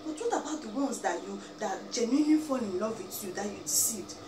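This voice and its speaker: A woman's voice: a little high, expressive, a little fast. A young Nigerian woman with an Igbo accent, seated at home and talking emphatically to the camera, pleading and scolding with frequent "eh?" asides. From Nigeria, Abia State. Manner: emphatic, pleading, peppered with "eh?" and "biko". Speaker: vlogger. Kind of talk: animated rant to camera. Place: small indoor room, seated in chair. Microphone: camera a few feet away. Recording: roomy, distant, noisy home recording.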